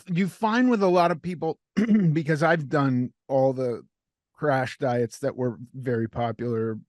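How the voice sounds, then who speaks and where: A man hosting a podcast who asks a long, self-reflective question in a casual tone. His voice sits at a mid-range pitch and is recorded dry and close. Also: no echo. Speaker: podcast host. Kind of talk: conversational interview question.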